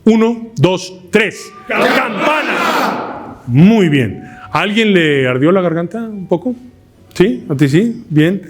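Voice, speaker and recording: Mexican guy running a speaking workshop, kinda high voice, keeps quizzing the room, bit of music faint behind. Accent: Mexican Spanish. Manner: lively, asks the class questions, shouts demonstrations. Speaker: oratory workshop instructor. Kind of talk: live workshop lecture to a room. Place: lecture hall with fabric ceiling.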